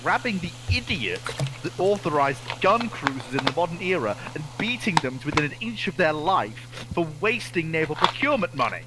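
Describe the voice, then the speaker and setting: A man's voice: on the high side, very animated, fairly quick, very noisy. A man chatting on a panel, reading questions out and commenting in a blunt, hyperbolic way. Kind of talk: animated casual panel chat.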